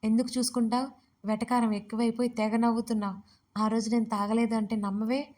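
A woman narrator voicing a sharp-tongued, hot-tempered young woman in an audio story. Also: on the high side, flat delivery, brisk, lightly acted. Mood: angry.

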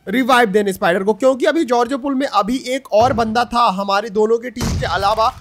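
A young man narrating his own gameplay in a chatty, excited voice-over, talking straight to his viewers. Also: very high-pitched, a little fast, faint music behind. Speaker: gaming YouTuber.

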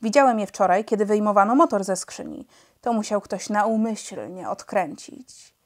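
A woman's voice: mid-range voice, expressive, moderate pace, natural voice. A woman voicing a stubborn, indignant one-eyed legless male pilot in a storybook reading.

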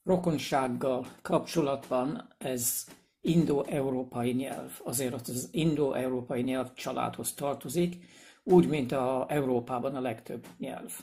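A man giving a casual explanatory video lesson, speaking hesitantly with pauses, fillers and restarts. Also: medium pitch, mellow. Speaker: language presenter.

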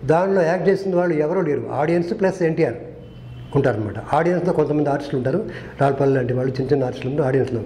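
A man's voice: a little high, racing, warm tone, a little hiss or hum. An older man, a film director, telling stories from past film shoots and acting out the dialogue of the people in them. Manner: acts out quoted dialogue, earnest. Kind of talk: storytelling anecdote. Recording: echoey room.

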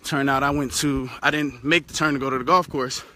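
Cycling along an outdoor road, a young American vlogger with an African American English accent chats loosely into a phone held at arm's length, swearing casually. His medium-pitched voice is steady, fairly quick and sharp, with slight background noise and cars passing by.

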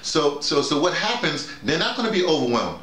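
A middle-aged man talks through his ideas as a workshop leader, with pitch that swings widely. He is emphatic, repeating words and acting out little examples. The sound is roomy, with some echo. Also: sing-song, brisk, fairly bright tone. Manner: emphatic, illustrating points with acted-out examples and repetition. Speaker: audio drama workshop leader. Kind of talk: animated informal discussion. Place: small bedroom with bare walls. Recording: roomy, echoey indoor sound.

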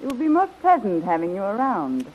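A woman's voice: mid-range voice, wildly swooping pitch, brisk. An actress playing an imperious, vain queen in a theatrical 1930s radio style. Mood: flirtatious, regal. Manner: haughty, commanding, grandly theatrical. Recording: muffled, hissy 1930s radio recording.

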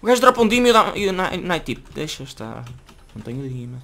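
Fast bright-voiced Portuguese gamer man. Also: high voice, creaky, a little hiss or hum. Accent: European Portuguese. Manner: excitable, yells and swears when fighting. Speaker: gaming video host. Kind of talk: casual gaming commentary.

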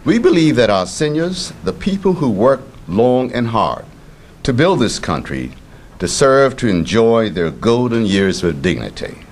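Formal older man, widely varied pitch. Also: big pitch swings, a little hiss or hum. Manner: formal, deliberate, itemizing in measured phrases. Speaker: politician giving a campaign speech. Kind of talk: scripted political speech read at a podium. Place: indoor press conference room at a podium. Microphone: several press microphones on a podium.

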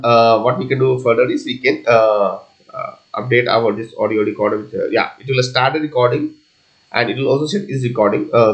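A man giving an unscripted coding walkthrough as a tutorial presenter, explaining step by step in a halting, repetitive way. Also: medium pitch, low-quality recording.

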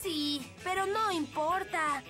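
A woman's voice: very high voice, takes it slowly, loud music behind the voice. A woman voicing a friendly, good-natured little elf boy in a children's cartoon, childlike and easygoing. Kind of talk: children's cartoon dub in Spanish.

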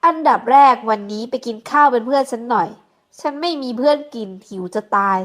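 A woman's voice: a little high, lively intonation, brisk, natural voice. Woman doing a bossy rich young man. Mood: teasing. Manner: teasing, domineering.

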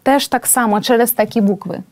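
High-voiced woman teaching patiently. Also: a little mellow, dry recording. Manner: patient, explanatory, slow careful spelling of examples. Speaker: language teacher. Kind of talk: classroom lesson at a board.

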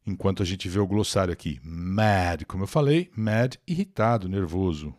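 Brazilian male English teacher, low voice with animated swings, dry close mic, live-stream lesson with chat shout-outs. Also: normal speed, dry recording. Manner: explains words and pronunciation, reads chat comments aloud.

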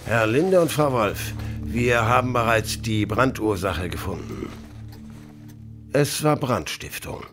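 An actor playing a tactful police detective in a radio play, speaking in a measured, official way. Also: male voice, mid-range voice, lively intonation, over loud music. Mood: sober, tactful. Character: police detective, man, sober and hesitantly tactful. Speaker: actor in an audio drama. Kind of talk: German radio play acting.

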